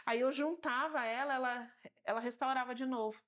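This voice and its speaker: A woman with a Brazilian Portuguese accent tells her faith testimony as a talk-show guest. Her voice sits a little high, and she brings the story to life by acting out what she once said and thought. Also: fairly quick. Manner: animated storytelling, acting out her own past words.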